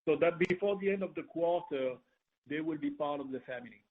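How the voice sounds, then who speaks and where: A man speaking as a company executive answering questions on an earnings call, often pausing and repeating his words as he rephrases. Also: fairly high pitch. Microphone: conference call line. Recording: tinny, narrow phone conference line.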